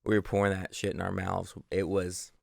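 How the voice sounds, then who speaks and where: A man's voice: low voice, completely flat delivery, normal speed, gravelly, a little mellow, dry recording, studio quality. A young man co-hosting a casual podcast from his living room, telling stories in a rambling, self-correcting way. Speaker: podcast co-host.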